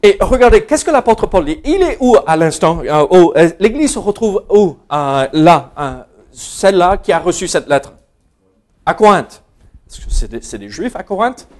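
High-voiced American man preaching. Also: sing-song, a little mellow. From United States. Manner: halting, many fillers and restarts, laughs at himself. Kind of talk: sermon.

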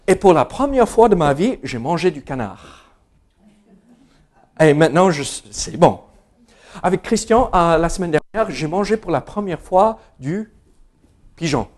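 High-voiced American man preaching. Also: a little mellow. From United States. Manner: halting, many fillers and restarts, laughs at himself. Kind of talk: sermon.

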